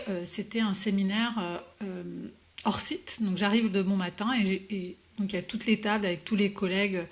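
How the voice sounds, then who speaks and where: An executive coach appears as a podcast guest, her mid-pitched voice halting as she reflects on the story of her work. She answers conversationally but hesitantly, with many fillers and restarts.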